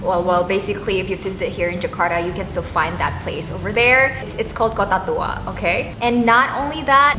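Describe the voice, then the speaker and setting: Speaking in a mid-range voice, a woman from Indonesia chats casually as a vlogger in what sounds like a large, echoey hall with background noise. She frequently checks in with her viewers by asking "okay" and "right."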